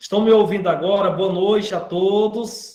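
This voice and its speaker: In a high, monotone voice with flat intonation, a man speaks at a moderate pace. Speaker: teacher. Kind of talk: online lecture. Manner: soft-spoken.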